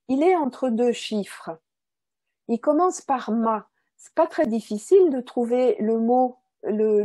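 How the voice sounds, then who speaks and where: Mellow-voiced woman lecturing. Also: on the high side, no room sound. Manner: didactic, repeats key words and checks understanding with tags. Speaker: language teaching researcher giving a lecture. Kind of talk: explanatory lecture, semi-spontaneous.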